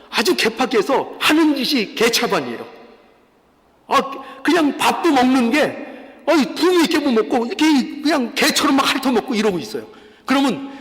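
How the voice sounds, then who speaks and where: A man's voice: very high-pitched, a bit bright, long reverb tail. A male pastor giving a fervent sermon, pleading and urging his congregation. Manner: fervent preaching, voicing God's pleas in quotes. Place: church sanctuary.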